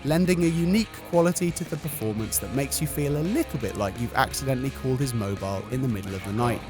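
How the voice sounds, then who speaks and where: A man's voice: medium pitch, fast. A man reading comic scripted commentary in a wry, sarcastic manner. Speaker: video narrator. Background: light music.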